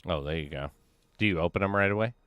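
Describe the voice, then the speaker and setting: A man with a deep voice chatting casually while streaming a game, rambling with many fillers. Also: quick pace, fairly bright tone, smooth, no room sound. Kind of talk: casual gaming chat.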